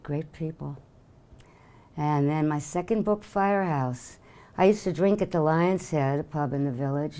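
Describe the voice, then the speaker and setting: Older New York woman, low mellow voice, offhand guest lecture full of fillers. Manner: offhand, joking, many fillers. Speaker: guest speaker. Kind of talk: casual lecture talk.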